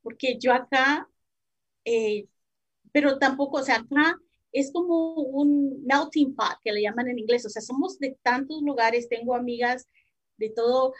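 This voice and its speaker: A woman's voice: high voice, a little slow, husky, dull audio. A woman in her forties from El Salvador, a guest in a casual panel chat, talking in a reflective way. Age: 40s.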